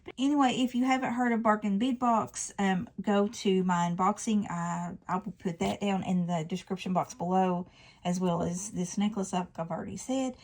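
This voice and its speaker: A middle-aged woman hosting a casual jewelry-making tutorial, chatty and quick to correct herself. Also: mid-range voice, steady tone, darkish tone. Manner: chatty, self-correcting, laughs at her slips. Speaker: jewelry-making channel host.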